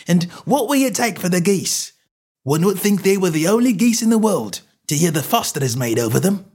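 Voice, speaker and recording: A man's voice: fairly high pitch, sing-song, a little slow, voice pushed up, heavily acted. A man voicing a cocky, stubborn, snappish poultry salesman in a story reading, with combative colloquial talk. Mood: angry, pestered.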